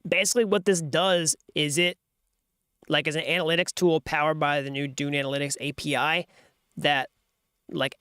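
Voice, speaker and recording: Man, American accent, higher pitched, casual rambling explainer, dry close mic. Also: sharp tone, clear, resonant tone, dry recording. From United States. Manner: chatty, digressive, searching for links on screen as he talks. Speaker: host of a programming channel. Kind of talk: casual explanatory screen-share talk.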